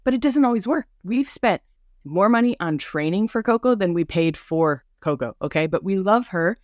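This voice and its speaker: A woman's voice: medium pitch, animated, moderate pace, darkish tone, no room sound, clean studio sound. A woman hosting a podcast in a bubbly, chatty monologue full of asides, with a mild speech impediment on some R sounds. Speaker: podcast host. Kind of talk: casual rambling monologue.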